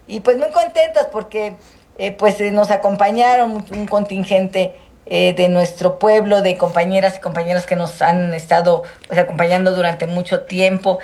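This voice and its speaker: Female politician from Guerrero, mid-pitched, measured and halting. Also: steady tone, darkish tone. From Guerrero, Mexico. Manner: measured, halting, with many fillers. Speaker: politician, senator.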